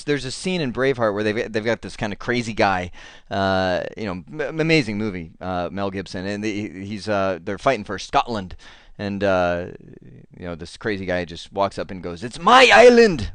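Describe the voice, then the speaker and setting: A man teaching a casual IT lesson, talking in an animated, rambling way with many fillers and restarts. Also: mid-range voice, clear, resonant tone, no room sound. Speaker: IT instructor.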